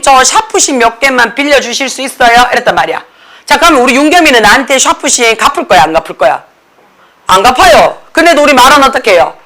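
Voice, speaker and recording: Casting note: a woman teacher with a Gyeongsang accent, blunt and animated, pitched a bit high. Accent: Gyeongsang Korean. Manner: animated, blunt, checks in constantly with students. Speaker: academy English teacher. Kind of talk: lively classroom lecture. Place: classroom.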